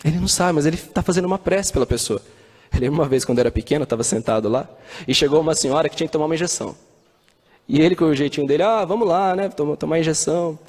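A male spiritist lecturer with a Brazilian Portuguese accent gives a talk, telling stories, acting out quoted voices, and asking the audience rhetorical questions. His voice is fairly high, rapid-fire, a little mellow, and slightly rough, with long hall reverb on the recording.

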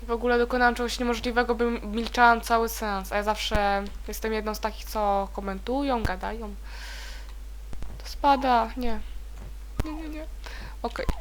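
A young woman casually commenting as she plays a video game, chatty and easily startled into high shrieks. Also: fairly even intonation, moderate pace, slight background noise. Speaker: let's play gamer.

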